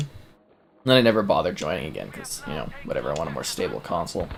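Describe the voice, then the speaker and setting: Vocal fry runs through a man's medium-pitched voice, which carries a slight Canadian accent. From Canada. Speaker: gaming streamer and reviewer. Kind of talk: live gameplay stream chat. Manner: casual, conversational.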